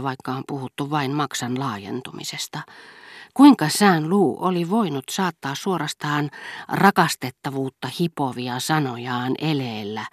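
A woman's voice: a bass voice, no room sound, clean studio sound. Woman reading a literary audiobook. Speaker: audiobook reader.

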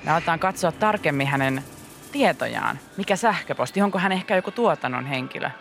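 A woman's voice: deep voice, animated, vocal fry. A woman radio host telling a spooky story in casual chat, with dramatic, suspenseful delivery. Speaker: radio morning show host. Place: radio studio. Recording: radio studio with music bed.

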